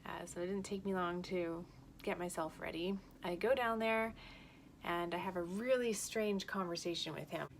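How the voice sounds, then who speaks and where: A woman's voice: on the low side, normal speed, a little hiss or hum. A woman telling a personal story to camera in a chatty, candid way, laughing often, shaken by vertigo. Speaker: vlogger.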